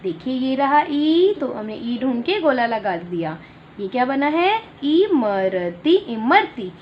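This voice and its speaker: A woman teaching an online Hindi class for small children, with a high voice that climbs and dips a great deal as she sounds out each syllable slowly. The recording is dull and lo-fi, with a faint hum of ambient noise underneath. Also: very animated. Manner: slow, drawn-out syllable-by-syllable dictation for young children; addresses children warmly, explaining words simply. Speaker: primary school Hindi teacher.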